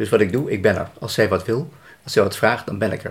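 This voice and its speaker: A man speaks in a somewhat breathy voice. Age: 70s. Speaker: retired physician and grandfather. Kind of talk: interview.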